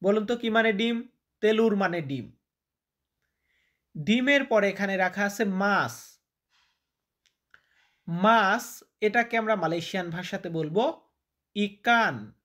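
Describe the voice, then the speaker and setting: A man's voice: high voice, slow pace, pauses often, a bit bright. A man teaching vocabulary, repeating each word and quizzing the listener. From Bangladesh. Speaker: language teacher. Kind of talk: vocabulary lesson.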